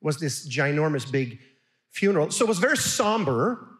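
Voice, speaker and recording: A man's voice: fairly high pitch, normal speed. A middle-aged man from Sweden, a pastor preaching a sermon and calling on the congregation to answer back. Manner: animated, calls for audience responses.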